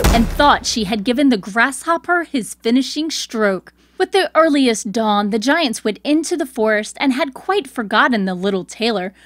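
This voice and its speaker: High-voiced woman narrating a fairy tale. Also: no room sound, studio quality. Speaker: storyteller, narrator.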